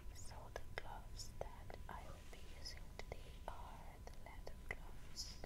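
Very slow speech against loud background noise. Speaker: ASMR creator. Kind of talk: ASMR video talk. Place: home room. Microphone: phone near.

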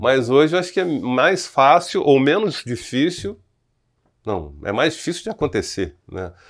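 Here a man speaks at a fairly slow pace in a fairly high pitch, with vocal fry and very wide pitch swings. The recording is very clean, with a silent background. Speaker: interviewer, former radio announcer. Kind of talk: casual interview chat.

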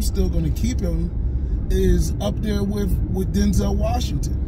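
A man's voice comes through dry, with no echo, over loud background noise. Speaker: filmmaker vlogger. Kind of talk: casual vlog chat. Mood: relaxed opinionated musing. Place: car. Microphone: phone near.

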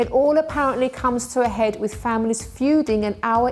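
Faint music plays in the background. The speech moves at a moderate pace. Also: woman. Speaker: TV presenter. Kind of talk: presenter monologue to camera. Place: studio.

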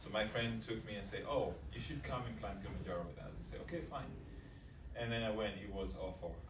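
The speech comes at a very fast pace against noticeable background noise. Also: man. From Tanzania. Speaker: mountain guide. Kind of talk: talk to students. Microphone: camera far.

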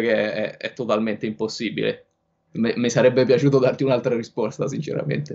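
A man speaks with vocal fry and ordinary pitch variation. The background is quiet. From central Italy, Umbria (Nocera Umbra); Umbria, Italy. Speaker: astrophysicist; interviewee. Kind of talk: interview. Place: home room.

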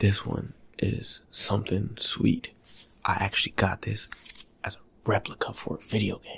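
Someone whispers at a moderate pace. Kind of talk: casual soft-spoken chat to viewer, roleplay-like. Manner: soft close ASMR voice. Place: home room. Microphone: phone near.

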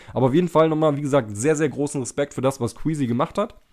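A man's fairly high-pitched voice, an ordinary speaking voice, with lively intonation on a very clean recording with a silent background. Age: 30s. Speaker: YouTuber, gaming channel. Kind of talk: casual monologue to viewers.

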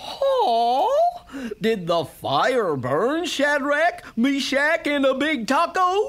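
A cartoonish character voice, high in pitch, at a very slow pace. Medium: puppet. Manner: goofy, excitable.

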